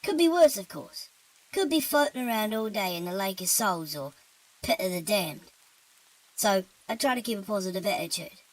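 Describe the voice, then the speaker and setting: A woman's voice: medium pitch, normal speed, close to an everyday voice, low-quality recording. A woman voicing a bored British demon. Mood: deadpan. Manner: deadpan, offhand and sardonic. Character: weary, sardonic male demon on the job.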